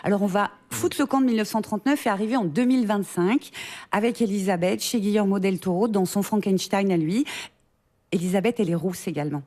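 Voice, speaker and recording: A woman's voice: mid-range voice, fairly quick, warm tone. A woman reading an ironic, scripted humorous column in a radio studio. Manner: ironic storytelling read from a script.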